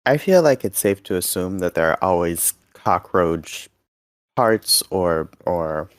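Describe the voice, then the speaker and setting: A man chatting casually as a tabletop podcast player, with a dry, deadpan delivery. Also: sits low, takes it slowly, no room sound. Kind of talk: casual chat.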